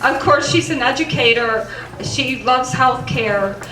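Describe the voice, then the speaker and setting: A woman's voice: sits high, slow. A woman emceeing at a conference, introducing the speaker with giggles and stumbling over words. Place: conference hall with audience. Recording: echoey hall, far from the mic, audience noise.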